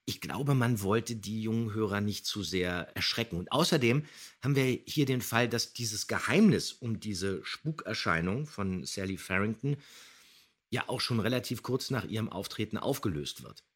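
Low, husky male podcast co-host. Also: animated, normal speed, fairly bright tone. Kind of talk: casual discussion of audio dramas.

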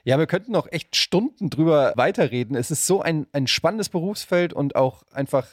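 A man's voice: fairly high pitch, expressive, moderate pace, no room sound. Enthusiastic male podcast host, close dry sound. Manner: enthusiastic, informal with English slang. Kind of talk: casual podcast chat.

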